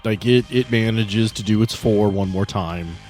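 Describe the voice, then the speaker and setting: A man's voice: fairly low pitch, normal speed, darkish tone, faint music behind. A man acting as game master, narrating a tabletop horror game in a conversational way.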